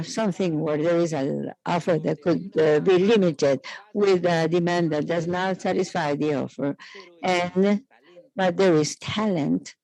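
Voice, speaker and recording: High-pitched, gravelly man speaking haltingly. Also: a little mellow, poor audio. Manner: halting, piecemeal phrasing with frequent hesitations.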